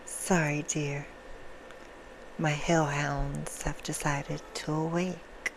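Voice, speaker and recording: A woman voicing a seductive, courtly vampire hostess for ASMR, soothing and sinister, in a slow, hushed half-whisper. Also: low voice, little pitch movement. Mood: soft, storytelling. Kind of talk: ASMR roleplay, bedtime storytelling. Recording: clear background noise.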